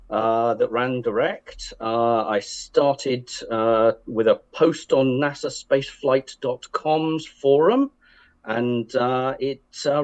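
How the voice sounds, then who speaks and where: A man introducing himself as a panel guest, wry and hesitant, pausing on many fillers. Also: mid-range voice, a little mellow. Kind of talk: casual introduction.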